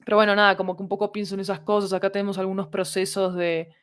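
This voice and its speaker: A woman's voice: mid-range voice, flat delivery, racing, smooth. Latin American woman chatting and thinking aloud. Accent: Latin American Spanish. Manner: thinking aloud, often checking with the listener. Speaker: podcast creator guest. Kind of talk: casual conversational explanation.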